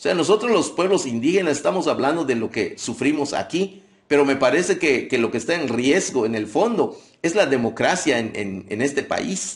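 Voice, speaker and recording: Lively intonation marks this man's speech. His pitch is fairly high and his pace moderate. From Yucatán Peninsula, Mexico (Maya community). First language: Yucatec Maya (speaking Spanish). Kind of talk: interview. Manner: halting, many repetitions.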